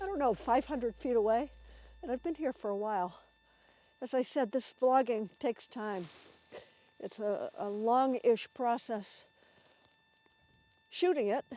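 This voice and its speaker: Her high-pitched voice has a dark, mellow tone as the woman speaks at a fairly slow pace with long, frequent pauses. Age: 70s. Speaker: photographer and vlogger. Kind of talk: casual vlog narration. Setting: outdoors.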